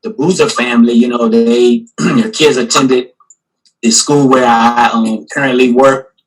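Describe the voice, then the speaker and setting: A man's voice: mid-range voice, steady tone, a little slow, breathy edge, low-quality recording. A man, an artist and guest curator, talking casually on a video call panel and filling his sentences with "you know". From Newport News, Virginia. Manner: rambling, many "you know" fillers.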